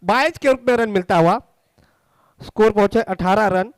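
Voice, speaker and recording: An Indian man calls a cricket match live in a very high-pitched, smooth and clear voice. He sounds excited as he follows the play ball by ball and keeps restating the score. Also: normal speed, no room sound.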